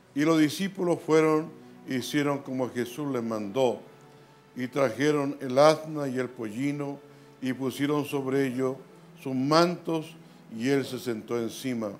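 Faint music plays behind a man who talks at a fairly slow pace with ordinary pitch variation. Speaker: pastor. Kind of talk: scripture reading in sermon. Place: church. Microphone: podium.

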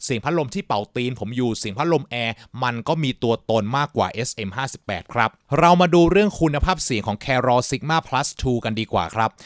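Recorded very cleanly against a silent background, a man's medium-pitched voice has lively intonation and a dry, close sound with no echo. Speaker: audio equipment reviewer. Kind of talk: product review.

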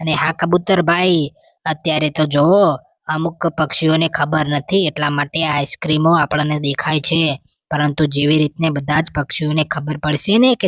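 In a cartoonish character voice of middle pitch, the speaker moves at a moderate pace. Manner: talkative, excitable.

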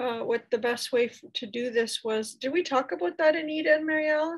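A woman's high-pitched voice at a moderate pace, against a quiet background. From northern Ontario, Canada. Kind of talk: webinar facilitation. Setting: video call. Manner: halting. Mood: calm, reflective. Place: home room. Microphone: webcam.

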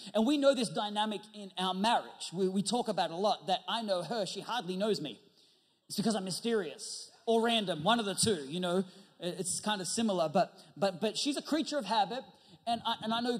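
The background is quiet. The pace is fairly quick. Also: man, high pitch for a man, ordinary pitch variation. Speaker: pastor. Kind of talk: sermon. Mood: playful, humorous storytelling. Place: stage. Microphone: handheld.

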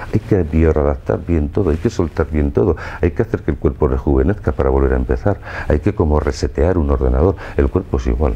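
Speaking at a fairly quick pace, a man with a very deep, low pitch holds very even loudness and ordinary pitch variation. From Basque Country, Spain (Vitoria). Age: 50s. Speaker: alternative medicine therapist. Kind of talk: TV interview. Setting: TV studio. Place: studio. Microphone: lapel.

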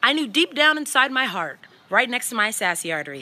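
Very fast and bright with a sharp edge, this woman's voice comes across dry, with no echo at all. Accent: American. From New York City (Bronx). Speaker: graduating student. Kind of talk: commencement speech. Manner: animated. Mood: proud, sassy, emotional. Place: street. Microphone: phone near.

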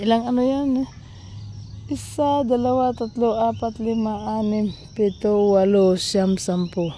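A normal speaking voice, this woman's is fairly high in pitch, with ordinary pitch variation and a fairly slow pace. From Philippines, Pangasinan. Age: 50s. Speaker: vlogger and landowner. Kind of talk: casual vlog walkthrough. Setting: outdoors on a farm.

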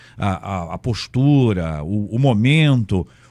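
This man's voice moves in very wide pitch swings. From Brazil. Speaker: radio host. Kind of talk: live radio debate. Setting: radio studio. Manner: animated. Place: studio. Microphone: studio mic.

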